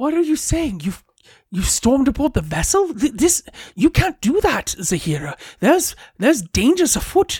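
A man's put-on character voice at an extremely high pitch, with a moderate pace and long, frequent pauses. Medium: actual play.

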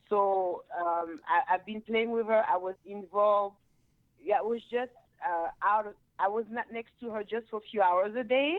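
This woman speaks with a French accent at a moderate pace. Her pitch is fairly high, with ordinary pitch variation. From France. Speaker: caller. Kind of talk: call-in advice conversation. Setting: phone call. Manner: halting.

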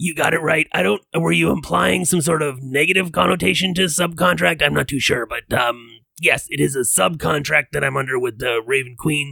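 A man's put-on character voice, raspy and medium in pitch, at a moderate pace with hardly any pauses. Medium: actual play. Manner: casual, slangy, rambling with fillers.

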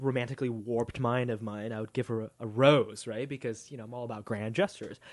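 This man speaks with an ordinary speaking voice at a medium pitch, his intonation fairly even against a quiet background. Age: 20s. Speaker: humor writer and software developer. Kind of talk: casual interview chat.

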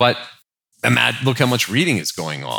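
His pitch swings very widely. The man also speaks with vocal fry. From US. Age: 40s. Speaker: entrepreneur, CEO. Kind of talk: interview. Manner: halting, many fillers.

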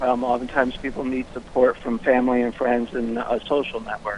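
Noticeable background noise sits behind this recording. A man with a medium pitch talks at a fairly quick pace with fairly even intonation. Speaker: therapist and author. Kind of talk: radio interview.

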